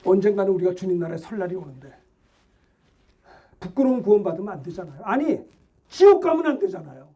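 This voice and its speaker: A middle-aged male pastor preaching a fervent Sunday sermon, shouting and exhorting with rhetorical questions. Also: high voice, big pitch swings, quick pace, long pauses, breathy edge, highs cut off.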